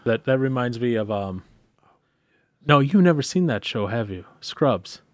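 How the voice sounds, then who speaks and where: A man's voice: mid-range voice, expressive, a little slow, no echo. A man chatting casually as a podcast co-host, dry and sarcastic in his remarks. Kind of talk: casual chat.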